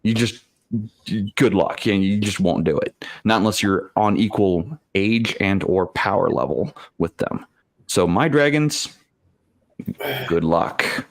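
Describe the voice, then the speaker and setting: A man talking casually on an online panel as a game master, haltingly thinking aloud and using salty, colloquial language. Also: lowish voice, animated, dry recording. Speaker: game master on a tabletop role-playing panel. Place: remote online video call.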